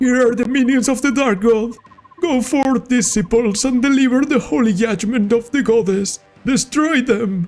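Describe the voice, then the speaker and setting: The pitch sits fairly high. It is a put-on character voice. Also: moderate pace. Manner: dramatic, theatrical.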